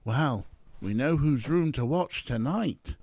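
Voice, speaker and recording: An assured girl magician, voiced plainly by a man reading aloud. The lines are instructive and matter-of-fact with lively pitch, close and dry. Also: takes it slowly, no echo. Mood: confident.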